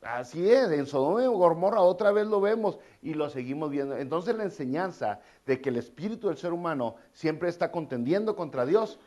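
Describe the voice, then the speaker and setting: A man's voice: on the high side, animated, moderate pace, hardly any pauses, darkish tone. A male pastor, preaching a sermon in a conversational way, with casual asides and repeated phrases.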